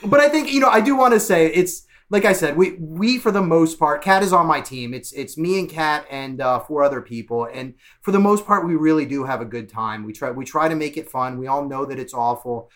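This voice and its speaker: A male podcast guest with a fairly high voice talks loosely about his life. He rambles, restarts his sentences and fills gaps with "um" and "you know". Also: animated, fairly quick, few pauses, a bit bright. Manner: rambling, many fillers. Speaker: guest, media researcher. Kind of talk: casual interview chat.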